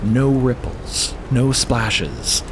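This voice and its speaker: Man, unhurried scripted narration, animated intonation, noisy ambient backdrop. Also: mid-range voice. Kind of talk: scripted, measured story narration. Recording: clear ambient noise behind voice.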